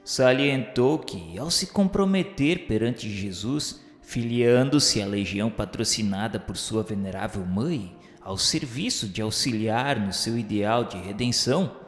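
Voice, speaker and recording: A man narrating a radio novel in a measured, solemn literary reading. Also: lowish voice, expressive. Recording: roomy reverberant sound with music bed. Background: music.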